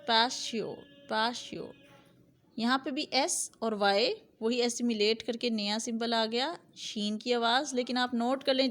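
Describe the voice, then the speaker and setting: A woman with a fairly high voice explains English sound assimilation in an easygoing classroom way. She keeps saying example phrases again and again, slowly, so learners can copy them. She checks in with her students as she goes. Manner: conversational, checks in with "theek hai". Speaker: English phonology teacher. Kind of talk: explanatory video lesson.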